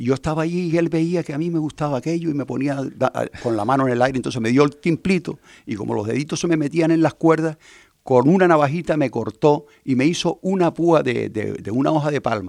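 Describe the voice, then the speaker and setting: In a plain, everyday voice, a man with a fairly high pitch talks at a fairly quick pace with ordinary pitch variation, against a quiet background in a dry, close sound with no echo. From Canary Islands, Fuerteventura (Puerto del Rosario). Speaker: festival speaker and timple musician. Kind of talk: casual interview.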